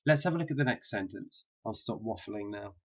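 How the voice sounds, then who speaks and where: A man teaching a pronunciation lesson, repeating sample phrases slowly and patiently for learners to copy. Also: fairly low pitch, animated, muffled recording. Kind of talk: slow, drilled pronunciation lesson.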